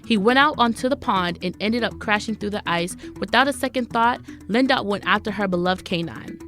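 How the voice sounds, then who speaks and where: A woman's voice: medium pitch, fairly quick, a bit bright, faint music behind. A woman reading scripted news and announcements as a college radio reporter.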